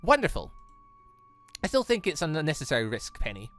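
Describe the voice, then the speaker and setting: A game player voicing a grave, worried male military commander with a measured, solemn and formal delivery. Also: mid-range voice, wildly swooping pitch, a bit bright, faint music behind. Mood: stern concern.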